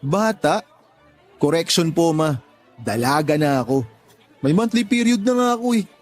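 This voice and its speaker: Radio drama gay son played by a man: Filipino, sassy, vain, fairly high pitch, light music behind. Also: expressive, normal speed, lightly acted. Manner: campy, sassy, joking. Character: cheeky, vain gay adult son who jokes he's a young lady. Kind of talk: Tagalog radio drama acting.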